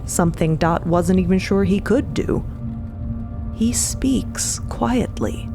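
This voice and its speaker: A woman's voice: fairly low pitch, slow pace, gravelly, music in the background. A woman delivering dramatic scripted narration for a fiction podcast.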